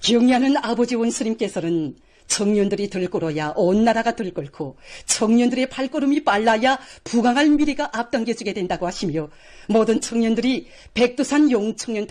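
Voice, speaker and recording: High-pitched North Korean woman news announcer. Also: a little mellow. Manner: solemn, reverent, declamatory delivery. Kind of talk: formal scripted news narration.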